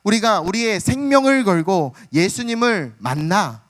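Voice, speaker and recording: A man's voice: sits high, expressive, measured pace. A man preaching a sermon as pastor, telling the story with dramatic flair and calling out to the congregation. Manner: dramatic storytelling, acts out the beggar's cries; calls out "hallelujah" and addresses the congregation.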